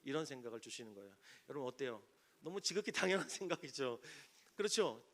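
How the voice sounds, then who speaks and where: A male pastor preaching a sermon to an audience, swinging from loud cries to near-whispers and acting out the voices in his stories. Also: medium pitch, animated, fast talker. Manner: acts out quoted voices in stories.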